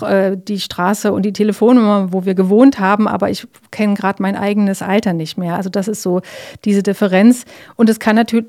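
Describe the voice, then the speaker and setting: A woman giving calm, explanatory answers in an interview, with frequent fillers and tag questions. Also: medium pitch.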